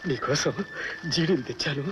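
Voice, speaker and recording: An actor playing a gentle, tearful old grandfather. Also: a little high, moderate pace, natural voice. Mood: tender. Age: older. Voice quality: soft, tender, fond. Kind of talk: 1960s film drama. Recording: dull old film soundtrack with music.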